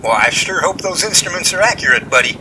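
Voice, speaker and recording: A man's voice: high voice, animated, quick pace, noisy background. A man playing an impatient, wisecracking, folksy passenger in an amateur radio drama, complaining with sarcasm. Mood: worried.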